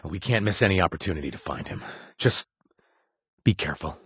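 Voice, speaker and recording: An actor playing a gruff, washed-up ex-raider who now runs a bar, sardonic and joking one moment, earnest and grateful the next, in video game voice lines. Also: male voice, sits low, lively intonation, a little fast, sharp tone, no echo, studio quality, exaggerated voice. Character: gruff washed-up male ex-raider bartender, wry. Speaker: game companion character.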